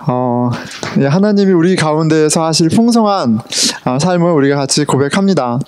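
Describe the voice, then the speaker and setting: Lively high-voiced pastor preaching. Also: male voice, moderate pace, slight background noise. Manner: conversational, asks the congregation questions, mixes in English words. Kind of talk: sermon. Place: church sanctuary.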